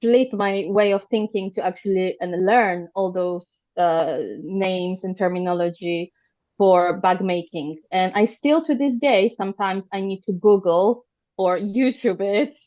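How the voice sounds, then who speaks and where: A woman's voice: mid-range voice, a little slow, dry recording. Woman on muffled call audio. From Poland. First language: Polish. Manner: candid, relaxed, repeats words. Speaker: self-taught bag designer. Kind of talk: casual live Q&A answer. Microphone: video call. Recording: dull, dry video-call audio.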